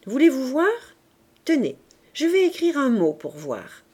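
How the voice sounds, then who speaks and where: A woman voicing a poor, brash young girl who chatters loudly and boastfully. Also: sits high, wildly swooping pitch, unhurried, breathy edge, voice pushed up, heavily acted. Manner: loud, eager, boastful chatter.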